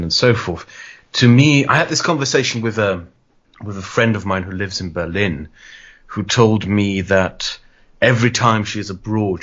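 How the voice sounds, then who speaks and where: A man's voice: sits low, fairly bright tone. A man who grew up in Wales, a guest in a casual discussion, talking thoughtfully and repeating phrases as he works through a point. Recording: muffled lo-fi audio.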